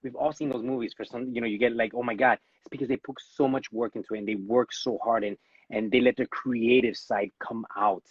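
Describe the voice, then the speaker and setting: A man's voice: mid-range voice, steady tone, a little fast, slightly rough, dry recording, muffled recording. A man with a Latino accent, raised in Miami by Cuban parents, talks earnestly about his acting career in a casual live interview, restarting his sentences often. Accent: Latino, Cuban-American. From born in Los Angeles, raised in Miami. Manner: earnest, repeats words when starting sentences. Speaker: actor, interview guest. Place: at home.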